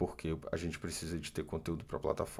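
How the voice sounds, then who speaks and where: Vocal fry runs through this man's speech. His pitch is very deep and low. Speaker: YouTube reaction streamer. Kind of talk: casual reaction commentary.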